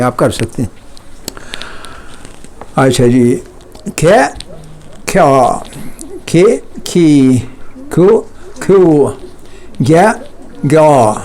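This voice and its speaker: A man teaches a language class. His voice sits a little high, and he repeats each word slowly, then asks students to say it back and corrects them. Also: mellow. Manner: drills words by slow repetition. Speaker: Persian teacher.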